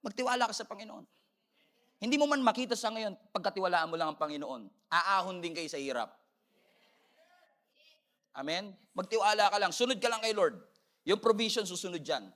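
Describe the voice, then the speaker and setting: Filipino man preaching a sermon, high voice, bright tone, animated, calls out for amens. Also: fairly quick, pauses often. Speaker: pastor.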